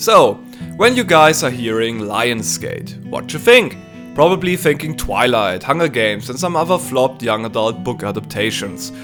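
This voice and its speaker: A man at a moderate pace with very wide pitch swings, music in the background. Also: medium pitch for a man. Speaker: movie retrospective video creator. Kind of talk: casual commentary narration.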